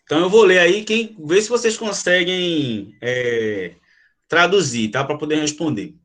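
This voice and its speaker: A male teacher lecturing to students, often pausing to ask if they follow and explaining with quick examples. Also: fairly high pitch, animated, fairly bright tone. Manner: frequent checking questions to students. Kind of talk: classroom lecture.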